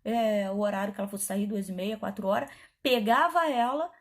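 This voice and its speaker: Husky-voiced woman pastor. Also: mid-range voice, normal speed. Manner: animated, chatty, frequent asides and quoted dialogue. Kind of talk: testimony storytelling.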